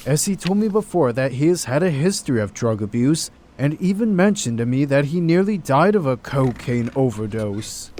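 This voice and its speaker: A man's voice: medium pitch, a little mellow, close to an everyday voice. A man acting a troubled, wrongly accused doctor in an audio drama, hesitant and earnest. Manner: hesitant, stammering, protesting. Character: distraught, indignant male doctor, wrongly accused. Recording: faint background noise.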